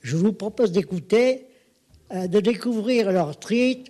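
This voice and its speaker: A man's voice: sits high, animated, unhurried, mellow. A man presenting a song on a community radio show in a cheerful, stumbling way. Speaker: music presenter.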